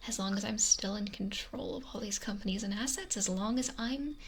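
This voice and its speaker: A woman playing a possessive, wealthy mafia boss in an intimate ASMR roleplay, breathy and often whispery, with a slow, softly threatening manner. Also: mid-range voice. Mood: lonely, wry. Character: possessive, domineering wealthy female mafia boss, lonely, menacing. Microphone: close binaural ASMR microphone.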